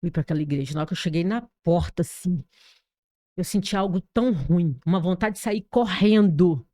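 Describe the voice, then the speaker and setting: A woman's voice: lowish voice, brisk, mellow, no echo, studio quality. A woman pastor with a Brazilian accent giving a dramatic personal testimony as a podcast guest, telling it vividly with sound effects. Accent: Brazilian Portuguese. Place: podcast studio.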